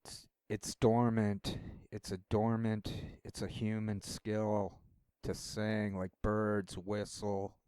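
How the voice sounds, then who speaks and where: Guy w a lowish smooth voice rambling to his channel, self-deprecating, keeps restarting, dry close sound. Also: flat delivery, takes it slowly, darkish tone, no echo. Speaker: channel host. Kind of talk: rambling casual monologue.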